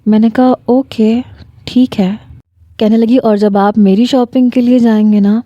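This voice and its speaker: A woman with a Pakistani Urdu accent tells a first-person love story in an even storytelling voice. Her tone is deep and mellow, with no brightness. The recording is dry and close, with no room sound. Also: no echo, highs cut off. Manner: reads a first-person romance, voicing a young man and his fiancée in the same voice. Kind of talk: scripted narration.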